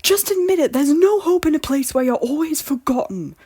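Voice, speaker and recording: A woman playing an embittered, despairing young king in an audio drama, brooding and wounded, with a soft, breathy voice. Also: sits high, expressive, brisk, no echo, studio quality. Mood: anguished outburst. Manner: brooding, swings between muted and outbursts. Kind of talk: audio drama acting of a Shakespeare-style story.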